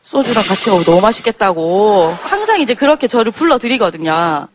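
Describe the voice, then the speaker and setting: A woman's voice: mid-range voice, big pitch swings, fast, noisy background. A woman with a Gyeongsang accent, an audience member telling a chatty story to a host. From Geochang, South Gyeongsang, Korea. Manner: chatty, laughing while telling stories. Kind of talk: casual storytelling.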